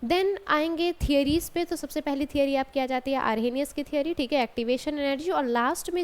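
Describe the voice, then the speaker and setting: High-voiced woman lecturing on chemistry. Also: darkish tone. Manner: explains step by step, often adds "ठीक है" and calls students "बेटा". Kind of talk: classroom lecture. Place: college classroom.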